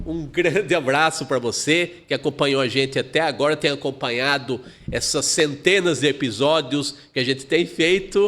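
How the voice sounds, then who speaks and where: A man talks in a normal speaking voice at a moderate pace, with hardly any pauses. His pitch is fairly high. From São Paulo countryside, Brazil. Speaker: podcast host. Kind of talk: casual interview chat.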